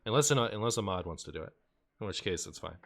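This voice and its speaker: Playful male streamer with lively pitch. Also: fast talker, gravelly. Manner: playful, hammy mock outrage and dry asides. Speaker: game streamer. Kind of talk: casual live game stream commentary. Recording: faint background noise.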